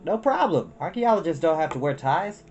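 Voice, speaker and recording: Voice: mid-range voice, big pitch swings, normal speed, a little mellow, dull audio, soft background music. A storyteller voicing an easygoing, kindly father in a children's story. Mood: breezy. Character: easygoing, kindly father of two young girls.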